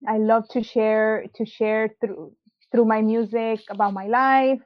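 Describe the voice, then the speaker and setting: Speaking on the high side at a slightly slow pace with fairly even intonation, a young woman from Mexico, raised in South Texas, offers a casual testimony as an interview guest. She's hesitant, full of ums and likes, and quick to laugh. The sound is dull and lo-fi.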